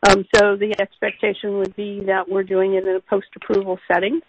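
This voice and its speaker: A woman executive giving measured, careful, formal answers to analysts on an earnings call. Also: medium pitch, little pitch movement. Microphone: conference call line. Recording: dull lo-fi conference call with hiss.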